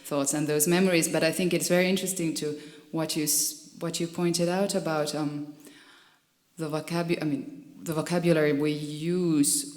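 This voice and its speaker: Woman panelist, thoughtful, restarts her sentences, long hall reverb around her. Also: sits low. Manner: reflective, restarts often, laughs easily. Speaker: panel speaker. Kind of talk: panel discussion. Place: lecture hall. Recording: echoey hall.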